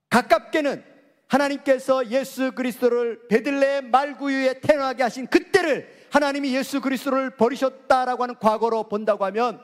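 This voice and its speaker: High-voiced impassioned male pastor. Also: long reverb tail. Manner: impassioned preaching, swinging from loud cries to hushed, soft lines. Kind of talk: sermon.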